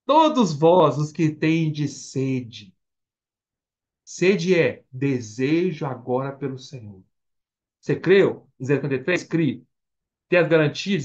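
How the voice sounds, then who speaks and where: A man's voice: on the high side, a little fast, highs cut off. A man preaching a Bible study sermon with a Brazilian Portuguese accent. He keeps asking his listeners questions and answering them himself. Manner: animated, asks the congregation questions and answers them. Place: church or online meeting.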